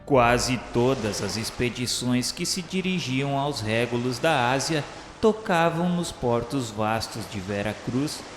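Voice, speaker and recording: A man with a Brazilian accent reading solemn, formal scripted narration for a radio novela in a measured, literary way. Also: medium pitch, expressive. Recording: echoey hall reverb, music underneath. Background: background music.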